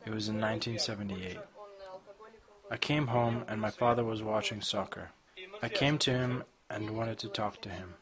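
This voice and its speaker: A man in his forties with a Croatian accent speaks slowly and plainly, telling his own story in short, candid sentences. He sits under a roof in an outdoor courtyard, picked up by a camera mic at a medium distance. A group of listeners murmurs behind him. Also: fairly low pitch, fairly even intonation, a crowd in the background. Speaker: speaker giving a personal testimony. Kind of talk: personal testimony to a group.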